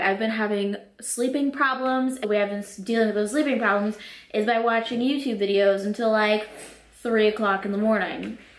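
With audible room echo around her, a woman speaks at a moderate pace. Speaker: vlogger. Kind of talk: casual vlog chat. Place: home room. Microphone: phone near.

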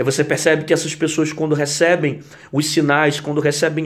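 A man is talking. His pitch sits fairly high. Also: quiet background. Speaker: preacher. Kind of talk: sermon, preaching to a YouTube audience. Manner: earnest, fervent, urging; repeats phrases for emphasis. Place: home room. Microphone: phone near.

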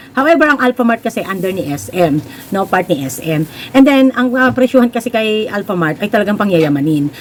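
A woman talks at a fairly quick pace with very wide pitch swings. Background noise is noticeable. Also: medium pitch for a woman. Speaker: vlogger and sari-sari store owner. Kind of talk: casual vlog talk.

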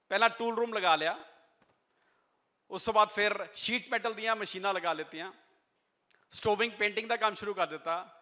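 A man's raised, projected voice, bright and sharp in tone, over a quiet background. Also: fairly even intonation. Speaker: motivational speaker. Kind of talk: motivational speech. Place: hall. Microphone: handheld.

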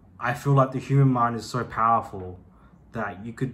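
Light background noise sits behind a man who is speaking. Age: 20s. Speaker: vlogger. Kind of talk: casual monologue to camera. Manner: rambling, filler-heavy. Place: home room. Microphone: phone near.

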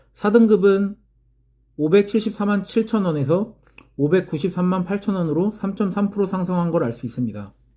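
Speaking at a very slow pace, a man uses a high pitch, a dark, mellow tone and ordinary pitch variation. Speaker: YouTuber explaining veterans' benefits. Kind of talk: informational tutorial. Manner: measured, explanatory.

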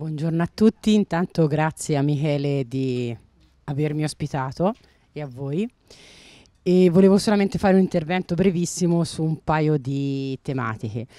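A woman with a very deep, low pitch and a dark, mellow tone speaks at a moderate pace with long, frequent pauses, in a dry sound with no echo against a quiet background. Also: ordinary pitch variation. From Siena, Tuscany; Tuscany, Italy. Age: 40s. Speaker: tourism and events organiser. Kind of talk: casual chat. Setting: restaurant. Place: cafe. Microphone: handheld.

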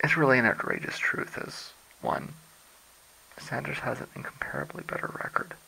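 Long, frequent pauses break up a man's speech, which moves at a moderate pace with big swings in loudness. Noticeable background noise sits behind him. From Canada. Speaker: vlogger. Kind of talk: casual vlog monologue. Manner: halting, many fillers.

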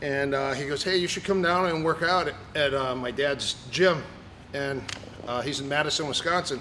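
Fairly even intonation marks a man talking at a fairly quick pace, with light background noise behind him. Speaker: coach at a seminar. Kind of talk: seminar talk with anecdote. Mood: relaxed, humorous. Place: gym. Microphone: camera far.

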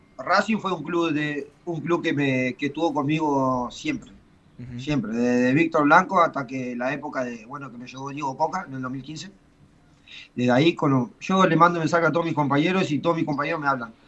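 A man speaks with a fairly high pitch, his voice rising and falling in an ordinary way. His loudness swings widely, and his pace is moderate. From Argentina, Santa Fe. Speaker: professional footballer. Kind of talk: casual chat. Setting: video call. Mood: calm, reflective. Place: home room. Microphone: video call.

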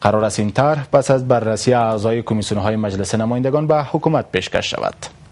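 Over noticeable background noise, a man with a medium-pitched voice speaks very fast, his pitch moving in an ordinary way. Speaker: news anchor. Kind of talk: TV news broadcast reading.

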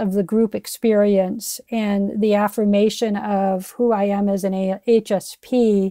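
A woman with an American accent, fairly high pitch and dark, mellow tone, monotone and flat, in a very clean recording with a silent background and a dry, close sound with no echo. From US Midwest, Iowa. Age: 50s. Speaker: academic advisor. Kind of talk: casual interview chat.

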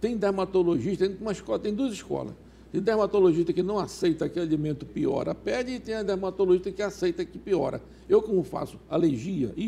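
Over light background noise, a man talks at a fairly quick pace with a high pitch, a dark, mellow tone and lively intonation. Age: 70s. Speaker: dermatologist. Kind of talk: casual interview. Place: studio. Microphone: lapel.

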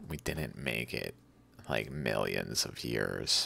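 Vocal fry runs through a man's speech, delivered at a very slow pace. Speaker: video commentator. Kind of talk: casual commentary. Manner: rambling, profane. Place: home room.

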